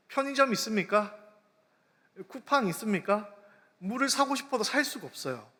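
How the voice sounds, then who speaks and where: A man's voice: high-pitched, a bit bright. A man preaching a sermon as a pastor, putting many rhetorical questions to the congregation. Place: church sanctuary. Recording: long reverb of a church hall.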